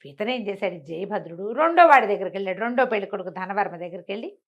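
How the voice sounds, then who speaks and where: A woman who talks fast, with a mid-range voice and a Telugu accent, shares a folk tale animatedly. She chats with the audience by asking questions and answering them herself. The sound quality is lo-fi.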